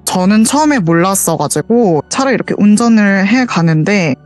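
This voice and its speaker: A woman's voice: medium pitch, lively intonation, normal speed, darkish tone, faint music behind. A woman calling in over a voice call to earnestly tell a true ghost story in casual, detailed speech. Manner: earnest, detailed retelling with quoted dialogue.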